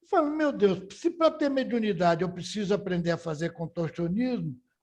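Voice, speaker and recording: This man speaks with lively intonation. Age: 70s. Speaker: author and spiritist speaker. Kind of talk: talk to a study group.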